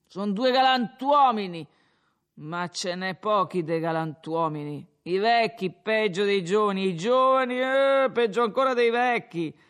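A man voicing a drunk young peasant who rambles and boasts loudly in a tavern, his speech slurred. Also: high voice, measured pace, smooth, pitched above the performer's own voice. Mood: drunken ranting.

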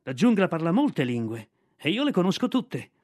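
A man's voice: a little high, very animated, moderate pace, darkish tone, no echo, clean studio sound. A man voicing a cheeky, boastful boy raised in the jungle. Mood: excited, pleading.

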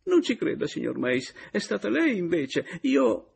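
A husky-voiced man reading an audiobook, voicing a touchy young woman who is quick to tears and protests indignantly. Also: deep voice, huge pitch swings, a little mellow, pitched above the performer's own voice, exaggerated voice.

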